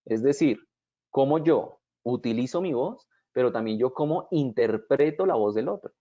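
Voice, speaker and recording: Animated and warm, this man's mid-range voice moves at a moderate pace as he lectures didactically on communication. He often checks in with his audience through rhetorical "¿sí?" and "¿cierto?", and the lo-fi recording sounds dull and dry.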